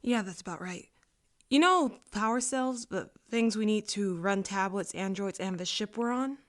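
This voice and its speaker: A woman's voice: mid-range voice, moderate pace, lightly acted. A woman playing a disgruntled, sardonic space courier who talks in a dry, blunt way. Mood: exasperated, blunt.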